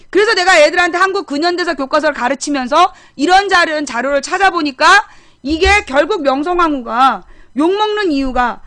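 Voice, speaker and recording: A woman's voice: sits high, sharp tone, no room sound, studio quality. A middle-aged woman hosting a current affairs talk show, explaining history casually and bluntly, firing off rhetorical questions.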